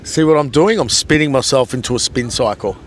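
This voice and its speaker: A man's voice: medium pitch, a little fast, slight background noise. Rambling man vlogging outdoors. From Australia. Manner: rambling and taunting. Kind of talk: rambling vlog monologue. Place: outdoors at a beach.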